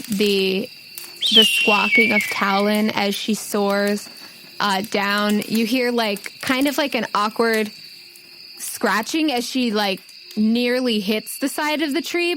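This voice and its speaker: A woman's voice: mid-range voice, steady tone, unhurried, a bit bright, slight background noise. A woman acting as game master, narrating a tabletop role-playing game in a casual, conversational, improvised way.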